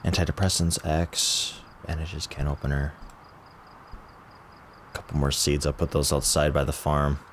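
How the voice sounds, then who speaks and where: A man casually chatting with a friend while playing a co-op game, relaxed and muttering as he sorts items. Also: a bass voice, normal speed, pauses often, a little hiss or hum. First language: English. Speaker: gaming channel host. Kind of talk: casual co-op gameplay chat.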